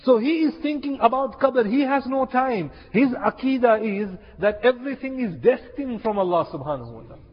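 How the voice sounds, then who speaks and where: Impassioned high-voiced male preacher. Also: expressive, brisk, hardly any pauses, slightly rough. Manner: impassioned, repeats key phrases for emphasis. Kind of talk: sermon. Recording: echoey hall, dull lo-fi sound.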